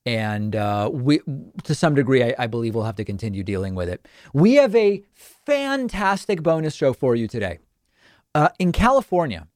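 A man hosting a political talk show, delivering brisk and sarcastic commentary in a mid-range voice. He is close to a studio microphone, and the sound is dry with almost no room echo. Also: medium pitch, a little mellow. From northern United States.

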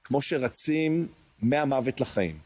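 A man in his sixties, an interview guest, recounting a personal ordeal in a hesitant way, searching for words with many pauses. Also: medium pitch, animated, darkish tone. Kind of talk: emotional personal testimony.

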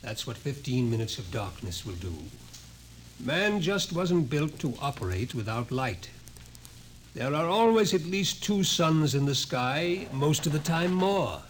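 Grave, ominous doctor with animated delivery. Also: male voice, a little high, unhurried. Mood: grave, matter-of-fact. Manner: emphatic, lecturing. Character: grave, ominous male doctor foretelling doom, insistent. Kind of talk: 1950s radio drama acting. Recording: noisy old 1950s radio recording.

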